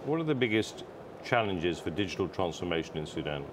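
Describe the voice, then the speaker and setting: Stumbling interviewer with a lowish male voice. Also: sing-song, brisk, background noise. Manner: stumbling, repeating words while forming questions. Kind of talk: conference interview. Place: exhibition booth studio set.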